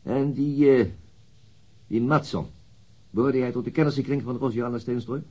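An actor playing a formal, persistent police investigator questioning a witness in a radio drama, with probing questions and hesitant pauses. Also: male voice, mid-range voice, fairly even intonation, a little mellow, slightly rough, lightly acted.

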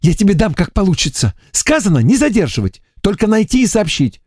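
A man's voice: high voice, lively intonation, normal speed, a little mellow, no echo, clean studio sound, voice pushed up. A man doing a bossy young woman lieutenant. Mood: stern. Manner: bossy, scolding, commanding.

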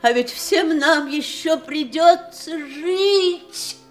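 Bitter wounded wife in a radio play, highish voice, slow n dramatic, music behind. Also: female voice. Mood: despairing. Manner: emphatic, anguished, slow dramatic delivery. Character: bitter, wounded ageing wife of a dying famous man. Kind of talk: theatrical Russian radio drama acting.

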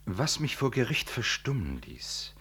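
An actor playing a dignified, self-righteous Catholic priest in a 1960s German radio drama, speaking in formal, measured, emphatic declamation. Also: male voice, medium pitch, wildly swooping pitch, pushed and bright, husky, full character voice. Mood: solemn, fervent.

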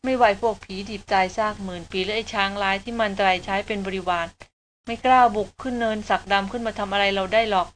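A woman reading as a calm, reassuring older brother. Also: mid-range voice, quick pace, a little hiss or hum, natural voice.

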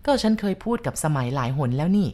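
A stern older man lays out his ghost lore in an insistent, lecturing tone, voiced by a woman reading a story aloud. The voice sits fairly low and keeps a firm, steady push behind each explanation. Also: fast.

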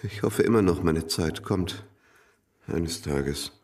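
An actor playing a proud, aggrieved old Catholic priest in a radio drama, with a pompous, theatrical manner. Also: male voice, low-pitched, slow, a little mellow, recorded from a distance. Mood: wistful. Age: older.

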